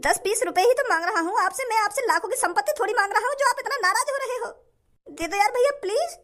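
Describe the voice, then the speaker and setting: Man doing a squeaky whining beggar. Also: fast talker, a bit bright. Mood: pleading. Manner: whining, pleading. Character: hungry pleading young male beggar.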